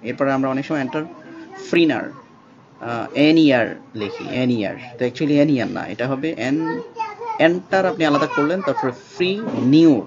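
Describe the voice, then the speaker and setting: Bengali guy teaching english spelling, kinda gravelly, spells stuff out slow. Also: a little high, sing-song, a crowd in the background. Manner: slow, spells words out letter by letter, many pauses. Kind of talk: spelling lesson. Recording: dull lo-fi sound with faint background noise.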